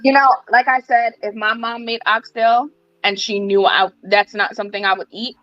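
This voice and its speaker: A woman with a fairly high voice chatting casually, chiming in and agreeing. The recording is dull and muffled. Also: fairly even intonation, moderate pace, no echo. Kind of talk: casual chat.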